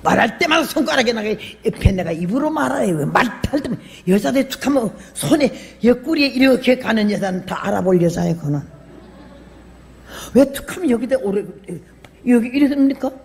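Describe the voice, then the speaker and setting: An older woman missionary preaching a sermon, telling her own story with lively acted-out voices and sudden shouts. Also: fairly high pitch, a little fast, vocal fry. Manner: animated storyteller, acts out quoted voices, bursts into shouts. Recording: long hall reverb.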